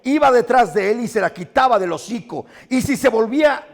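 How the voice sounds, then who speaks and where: A man voicing a fearless young shepherd making a loud, proud declaration. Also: extremely high pitch, animated, brisk, creaky, voice pushed up, heavily acted. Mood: defiant. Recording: long reverb of a big hall.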